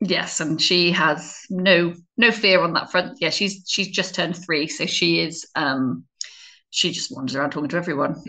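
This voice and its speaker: In a British accent, a woman with a fairly low pitch and a bright, sharp tone speaks at a moderate pace with ordinary pitch variation against a quiet background. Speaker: guest, expat traveller and mother. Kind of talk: casual interview chat.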